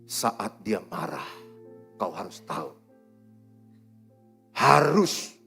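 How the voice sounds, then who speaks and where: A middle-aged man preaching a sermon, swinging between loud exhortations and quiet, low asides. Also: sing-song, very slow, creaky, soft background music. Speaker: pastor. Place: church hall with congregation.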